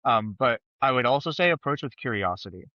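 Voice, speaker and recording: Bright-toned man, slightly lo-fi. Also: mid-range voice, animated, fairly quick, dry recording. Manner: thoughtful, hesitant, many ums and restarts. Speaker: podcast guest, software developer. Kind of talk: casual podcast chat.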